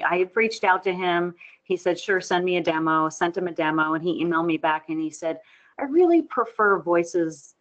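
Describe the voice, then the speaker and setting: Nasal woman coach, lowish pitch, slightly dull, candid and chatty. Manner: candid, laughs often. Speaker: voiceover coach. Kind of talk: casual webinar chat.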